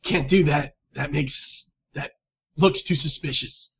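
A man's voice: on the high side, slow pace, vocal fry, a bit bright, breathy edge, heavily acted. A man voicing a wary, street-smart male agent in a tabletop game, cagey in casual tough talk.

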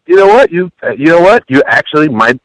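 A man's voice: a little high, animated, fast talker, a bit bright, no echo, poor audio. A man born in France, a guest on a call-in radio show, defending himself and restarting his words often.

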